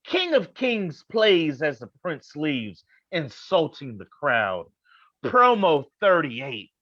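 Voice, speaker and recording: A man's voice: a little high, huge pitch swings, slow pace, pushed and bright, dry recording. A man narrating stage directions in a scripted reading, recorded on a lo-fi microphone. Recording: dull lo-fi microphone.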